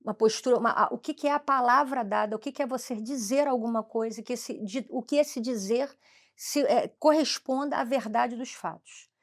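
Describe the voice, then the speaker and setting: A Brazilian woman with a slightly high voice tells a story in an animated way. She acts out each person's lines and shifts her tone for each one, the way a former school principal recalls her students. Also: moderate pace. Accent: Brazilian Portuguese. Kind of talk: lively storytelling in conversation.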